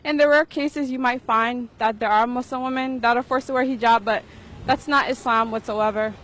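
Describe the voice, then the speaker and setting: A young woman who speaks calmly, steadily and firmly. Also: a little high, normal speed. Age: young adult. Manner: calm, steady and firm. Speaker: university student interviewee.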